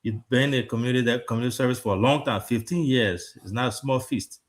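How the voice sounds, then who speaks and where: A man's voice: medium pitch, quick pace. Earnest Liberian man hosting a talk show. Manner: earnest, repeats words when restarting. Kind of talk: casual talk show discussion.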